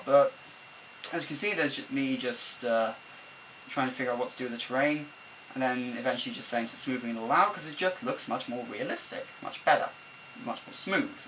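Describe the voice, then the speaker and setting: A man's voice: mid-range voice, a bit bright, rough recording. A young man with a chatty, rambling manner, giving a game-building commentary voice-over at his desk, recorded on an old camcorder's microphone instead of a proper mic. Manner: rambling, self-correcting, chatty. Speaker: let's-play builder. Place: at a desk at home. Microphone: camera microphone, not a desk mic. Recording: faint hum from a camcorder mic. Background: faint laptop fan hum.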